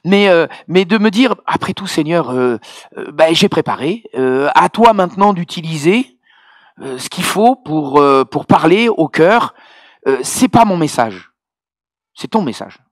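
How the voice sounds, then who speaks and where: A man preaching as pastor, telling a personal testimony in an animated, hesitant way full of fillers. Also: on the high side, measured pace, no room sound, studio quality. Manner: hesitant, many fillers and restarts, animated storytelling.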